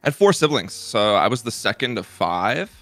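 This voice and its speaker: A young man in his twenties with a slight Minnesota accent and a lower voice that still sounds bright and forceful. He is friendly and chatty and laughs easily as a podcast guest. The recording is dry and close. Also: big pitch swings, normal speed, no echo. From Iowa, United States. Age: 20s. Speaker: guest, content creator. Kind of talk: casual interview chat.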